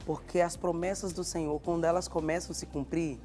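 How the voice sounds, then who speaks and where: A woman's voice: on the low side, little pitch movement, a little fast, warm tone, soft background music. A woman host with a Mineiro accent, interviewing with affirming, sermon-like encouragement. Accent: Mineiro Brazilian Portuguese. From Minas Gerais, Brazil. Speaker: TV show host.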